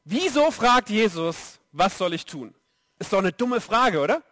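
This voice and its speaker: A young man preaching a sermon, lively and speaking straight to his audience. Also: sits high, a little slow, no room sound. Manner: lively, direct address to the audience.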